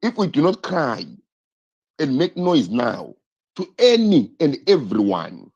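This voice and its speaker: A man's voice: on the high side, big pitch swings, slow, darkish tone, breathy edge. A man hosting a political live stream, talking with passion, repeating himself and firing rhetorical questions. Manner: impassioned, repetitive, rhetorical questions. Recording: dull lo-fi stream audio.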